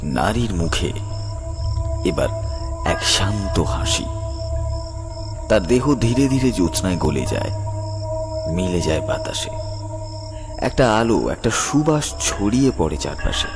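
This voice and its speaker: Very deep, expressive male horror narrator. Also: a little slow, pauses often, over music. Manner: dramatic, suspenseful storytelling. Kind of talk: scripted horror story narration.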